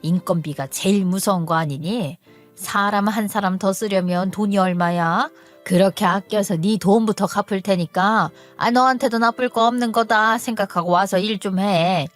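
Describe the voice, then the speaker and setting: A woman's voice: medium pitch, moderate pace, soft background music, close to an everyday voice. A woman voicing a domineering older mother-in-law who nags and scolds. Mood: coaxing. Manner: nagging, domineering.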